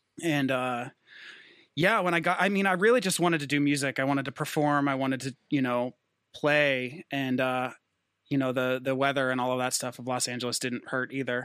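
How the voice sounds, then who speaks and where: On a very clean recording with a silent background, a man with a plain, everyday voice talks at a fairly quick pace, using medium pitch with ordinary variation. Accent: American. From Pittsburgh, Pennsylvania. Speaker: live sound engineer. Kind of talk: casual chat.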